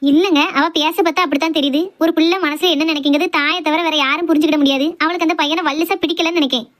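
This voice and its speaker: Casting: woman as feisty Tirunelveli village mother for cartoon drama, piercingly high, rattling off complaints. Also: steady tone, fairly bright tone. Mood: concerned, insistent. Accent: Tirunelveli Tamil. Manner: scolding, argumentative, rapid complaints. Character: sharp-tongued, outspoken village wife and mother. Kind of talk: amateur cartoon family drama.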